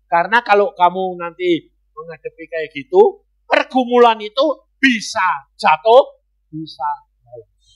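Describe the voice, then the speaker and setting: A middle-aged man, an evangelist telling a personal testimony in a sermon, chatty and given to sudden loud bursts. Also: sits high, measured pace. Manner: conversational storytelling with sudden jumps in loudness. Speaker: evangelist preacher.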